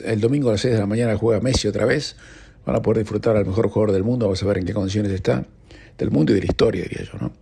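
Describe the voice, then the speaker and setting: A man's voice: on the low side, creaky, warm tone, breathy edge. A man with an Argentine accent hosting a radio news show, chatting casually with wry, ironic asides. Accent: Argentine Spanish. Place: radio studio.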